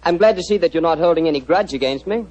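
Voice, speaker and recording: An actor playing a cheerful young medical student with a brisk, friendly manner in a 1940s radio drama. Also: male voice, a little high, a little mellow, natural voice. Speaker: old acquaintance of the doctor. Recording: dull 1940s radio broadcast.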